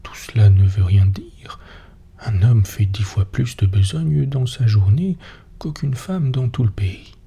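A man in a whispered role-play, voicing a gruff, grumbling peasant husband. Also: on the low side, unhurried, highs cut off, exaggerated voice. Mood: gruff teasing. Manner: soft whispered reading.

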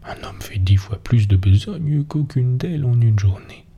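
A man in a whispered role-play, voicing a gruff, grumbling peasant husband. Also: medium pitch, animated, unhurried, highs cut off. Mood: gruff teasing. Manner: soft whispered reading.

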